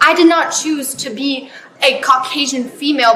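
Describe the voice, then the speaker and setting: Over noticeable background noise, a woman speaks in a high, raised, projected voice at a moderate pace. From US, born to Hungarian family. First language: Hungarian. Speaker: student speaker. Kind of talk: prepared speech.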